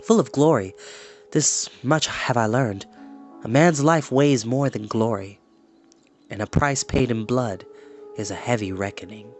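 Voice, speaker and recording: Man voicing an earnest, troubled young man, mid-pitched. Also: unhurried, a little mellow, faint music behind, lightly acted. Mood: sober, reflective. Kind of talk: storybook character voice.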